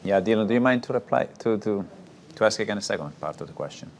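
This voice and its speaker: A man's voice: on the low side, animated, fast, vocal fry. A man speaking as a finance executive, giving answers on an earnings call.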